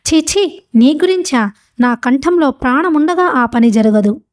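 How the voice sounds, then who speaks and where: Frail old man, shrill and pleading, put on by a woman reader; mellow tone, dry sound. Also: normal speed, no room sound, close to an everyday voice. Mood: fearful.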